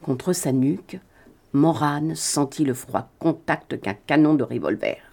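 A woman narrating an adventure novel as an audiobook reader, in an expressive, even-paced reading. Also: deep voice, measured pace, gravelly.

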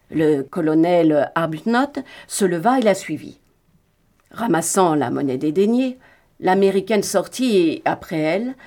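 A woman reading a novel aloud in a measured storytelling manner, with an occasional filler. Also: on the low side, darkish tone. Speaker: audiobook narrator.

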